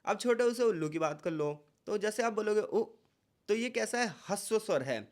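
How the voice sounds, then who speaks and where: Guy with a high voice giving a casual exam-prep lecture, keeps repeating himself, says example sounds real slow. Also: animated. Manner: conversational, repeats points, addresses students as bhai; draws out example sounds slowly. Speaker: tutor.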